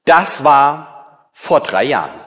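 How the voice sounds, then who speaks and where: A man preaching a sermon as a pastor, telling the story with dramatic pauses and rhetorical questions. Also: on the high side, lively intonation, fairly bright tone. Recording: long church reverb.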